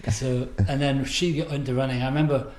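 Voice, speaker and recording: An older man from Scotland, a guest reminiscing in an interview, halting and repeating words as he recalls things. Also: medium pitch, fairly even intonation, a little mellow, reverberant, a little hiss or hum.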